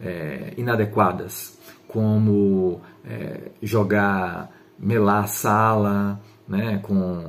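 This is a man speaking with a fairly low pitch. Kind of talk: educational vlog talk with personal stories. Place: office. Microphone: phone near.

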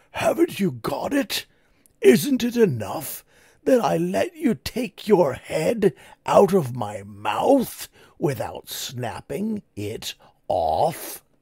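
A growling cartoonish character voice speaks at a middle pitch and a very slow pace. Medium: puppet show. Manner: snarling, menacing.

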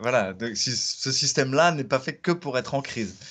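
A man talks with ordinary pitch movement and a moderate speed, the background quiet. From France. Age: 40s. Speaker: doctor; interview guest. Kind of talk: interview. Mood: animated, argumentative. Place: home room. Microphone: video call.

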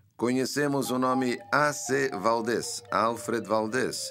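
A man speaking, with music in the background. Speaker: dubbing voice actor. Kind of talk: documentary interview answer, dubbed.

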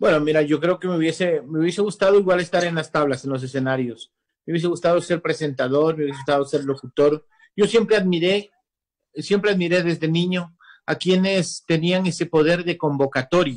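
A man speaks in a high voice with ordinary pitch variation against a quiet background. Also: fairly quick pace. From Ecuador, Loja. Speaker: singer-songwriter. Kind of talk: interview. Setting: at home, remote. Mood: reflective. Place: home room. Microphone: video call.

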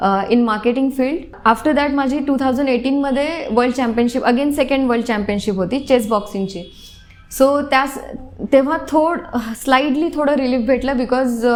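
A woman speaks in a high voice with ordinary pitch movement, over noticeable background noise and audible room echo. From Mumbai, India. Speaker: chess boxer. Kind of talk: life story testimony.

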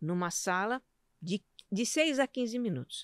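A woman speaks at a medium pitch with very wide pitch swings. The recording is very clean and dry, close and without echo, over a silent background. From Brazil, São Paulo city. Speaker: podcast host on self-knowledge and mental health. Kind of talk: solo podcast monologue, reflective talk. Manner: calm, gentle.

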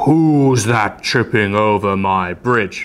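In a put-on character voice, a man bellows at a very slow pace with a fairly low pitch. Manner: roaring, gruff.

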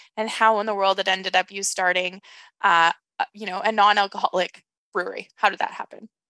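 Over a quiet background, a woman talks at a fairly quick pace in a bright, sharp tone, the sound dry with no echo. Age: 30s. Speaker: podcast host. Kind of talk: interview conversation. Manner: animated. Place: home room. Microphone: headset.

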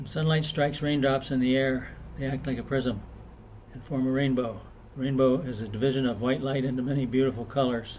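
A man talks at a fairly quick clip, his voice somewhat breathy. His intonation stays flat and monotone over light background noise. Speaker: speech therapy patient with Parkinson's. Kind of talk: reading passage aloud. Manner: fast.

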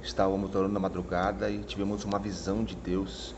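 Over noticeable background noise, a man speaks in a very deep, low voice at a moderate pace. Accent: Brazilian. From Brazil. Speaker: evangelical preacher. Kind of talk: prophetic sermon. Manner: fervent, emphatic. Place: home room. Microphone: phone near.

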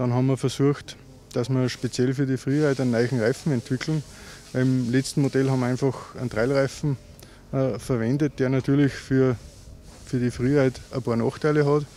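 The voice moves at a moderate pace with monotone, flat intonation. The sound is dry with no echo, over light background noise. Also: man. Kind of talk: interview answer. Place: open country. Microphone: handheld.

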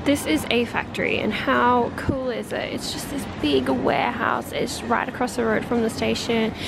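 With music playing behind her, a woman speaks at a fairly slow pace. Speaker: travel vlogger. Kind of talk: casual vlog chat. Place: shop. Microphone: phone near.

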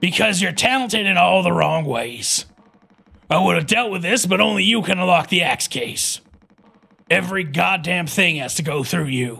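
A put-on character voice at a middle pitch talks at a moderate pace. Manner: irritated, scolding.

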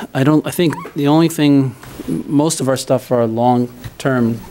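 Ordinary pitch variation from a man, with light background noise. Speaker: school committee chair. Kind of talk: chairing a public meeting. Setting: school committee meeting room. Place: meeting room. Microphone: podium.

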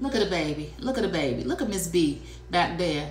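In a room with audible echo and light background noise, a woman with a fairly low voice speaks at a fairly quick pace in an animated tone. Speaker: online shopping livestream host. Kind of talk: live product sales stream. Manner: chatty, animated. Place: home room. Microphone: phone near.

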